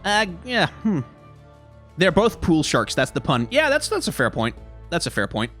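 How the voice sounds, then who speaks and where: A young man, a little hoarse, chatting casually on a live stream, rambling and answering his chat as he reviews card art. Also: fairly high pitch, wildly swooping pitch, moderate pace, sharp tone, soft background music. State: slightly hoarse.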